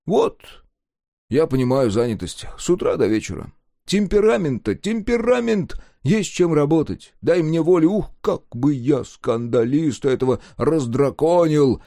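A man voicing a theatrical, envious male actor, exclaiming in a high, strained voice. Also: lively intonation, unhurried, vocal fry, dark tone, no room sound, studio quality.

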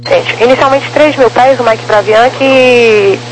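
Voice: mid-range voice, measured pace. An air traffic controller giving terse, procedural instructions in clipped aviation phraseology over a radio transmission. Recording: noisy, humming aviation radio.

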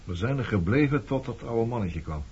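A man's voice: mid-range voice, lively intonation, a little fast, mellow, breathy edge. An actor playing a reserved, evasive former resistance man in a Dutch radio play, talking in a guarded way. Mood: reflective. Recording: muffled, noisy old radio recording.

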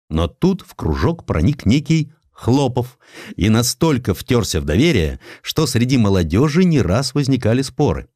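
Low-voiced man narrating with lively swings. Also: dry recording, studio quality. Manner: expressive storytelling, acting out quoted lines. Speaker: audiobook narrator. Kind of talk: scripted narration of historical prose, dramatized reading.

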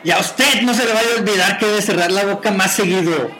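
A man's voice: high voice, a little fast, sharp tone, some chatter behind, a little hiss or hum, low-quality recording. A man with a Mexican accent playing a rude, cheeky, crooked younger street guy in a radio play, mocking and curt. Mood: dismissive.

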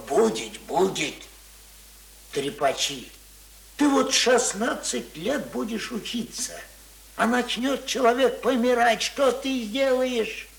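Old rural grumbler, high voice, sarcastic, rustic, radio play, echoing room. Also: male voice, creaky, a bit bright, exaggerated voice. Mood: irritated, scornful. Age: older. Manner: querulous, sarcastic, rustic colloquial speech. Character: grumbling, mocking, stubborn old village peasant man. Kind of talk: radio play acting of rural folk dialogue. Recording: roomy, echoing radio drama recording.

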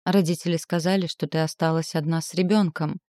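A woman reading the lines of a quiet, guarded young man in a calm, restrained manner. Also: low-pitched, brisk, no room sound, studio quality, natural voice.

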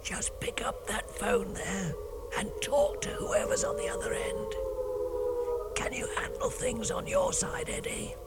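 A man doing a DJ whispering hoarsely. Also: very high voice, expressive, measured pace, few pauses, voice pushed up, exaggerated voice. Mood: pleading whisper. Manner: urgent, coaxing whisper. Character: radio DJ who lost his voice, man, hoarse whisper. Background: music.

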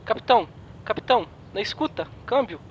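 A woman's voice: fairly high pitch, animated, darkish tone, lo-fi sound, a little hiss or hum, close to an everyday voice. An actress playing an eager, urgent female spaceship crewmate in an audio drama. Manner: urgent, hurried.

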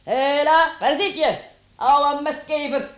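A woman's voice: high voice, slow pace. An actress playing a fearless, chatty charwoman with a sly, cheeky manner in a radio drama. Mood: brash, taunting. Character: brash, chuckling, fearless charwoman with a sly streak.

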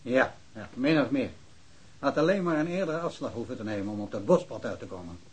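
An actor playing an indignant, argumentative policeman with a husky voice in a radio drama. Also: mid-range voice, lively intonation, brisk, a little mellow. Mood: shaken, subdued. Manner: argumentative, reproachful. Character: indignant local policeman, convinced the case is closed.

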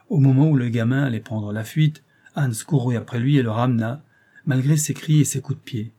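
A man's voice: mid-range voice, mellow. A man narrating a classic adventure novel as an audiobook, reading expressively and lifting his voice for quoted dialogue.

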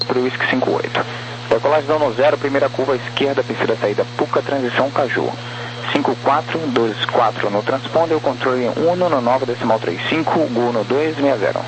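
A man's voice: mid-range voice, a little fast. A Brazilian man giving clipped, procedural instructions as an air traffic controller over radio. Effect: aviation radio.

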